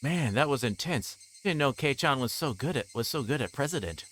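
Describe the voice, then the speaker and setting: A man's voice: medium pitch, lively intonation, fairly quick, a bit bright, a little hiss or hum. A man livestreaming a visual novel, reading narration aloud with casual asides, often stumbling and rereading lines. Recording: music playing behind the voice.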